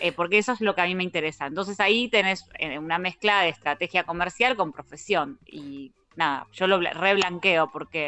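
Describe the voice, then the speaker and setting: A woman speaks with a Rioplatense accent and ordinary pitch variation. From Argentina, Mar del Plata. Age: 30s. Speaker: political scientist and feminist author. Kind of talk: interview conversation.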